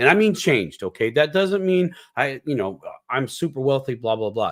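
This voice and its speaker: At a moderate pace, a man speaks in a medium pitch with very wide pitch swings. The recording is very clean, with a silent background. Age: 40s. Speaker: crypto commentator. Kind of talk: casual podcast chat. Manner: halting, many restarts.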